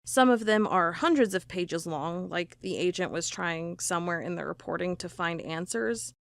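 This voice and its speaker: A woman's voice: lowish voice, normal speed, creaky, slight background noise. A woman playing a wry, curious investigator who records a log and reads old case files in an audio drama. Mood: wry, intrigued.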